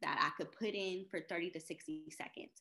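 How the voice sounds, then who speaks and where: A woman's bright, sharp voice over a quiet background. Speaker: communications professional. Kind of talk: casual chat. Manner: fast talker; energetic, animated. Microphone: video call.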